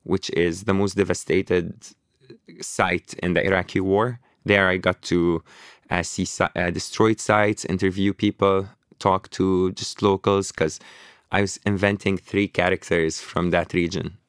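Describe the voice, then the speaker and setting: Deep-voiced man telling travel stories. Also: unhurried, clean tone, dry recording, clean studio sound. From Lebanon. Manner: relaxed, rambling, many fillers and restarts. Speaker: author guest. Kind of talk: casual interview conversation.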